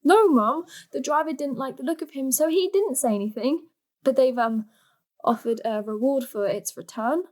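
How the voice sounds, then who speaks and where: A young woman's high voice as an earnest daughter in a family drama, acted by an actress. She is practical and direct, speaking naturally to her older relatives. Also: moderate pace, a little mellow, close to an everyday voice. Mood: anxious, explaining.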